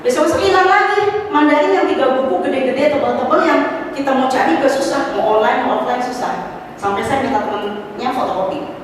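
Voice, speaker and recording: A middle-aged woman giving a personal testimony at a church fellowship, telling her story with lively exclamations and casual asides, with a slight cough. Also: high-pitched, fairly quick, a little hiss or hum. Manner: animated storytelling, rising to exclamations; mixes in casual slang and english words. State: has a cough. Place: church hall. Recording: echoey hall, voice from far off.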